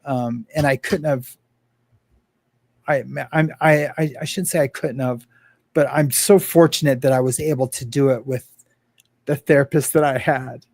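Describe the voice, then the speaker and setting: A man speaking as an interview guest in casual talk, earnest and open, halting with many fillers and restarts. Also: mid-range voice, steady tone, a little mellow, no room sound. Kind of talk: casual interview talk about personal experience.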